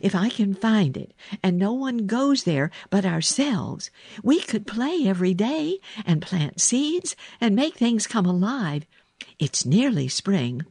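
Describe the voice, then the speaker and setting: Storybook role: spoiled, sickly boy of ten, high-pitched and demanding, played by a woman. Dry, close sound. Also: very animated, takes it slowly, a little mellow, slightly rough, dry recording, full character voice. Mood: eager, demanding. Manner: cross, demanding, self-pitying.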